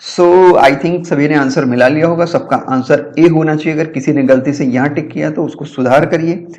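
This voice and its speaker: A male lecturer going through exam-prep questions, asking and answering his own questions and reading English question text slowly. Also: fairly high pitch, a little mellow.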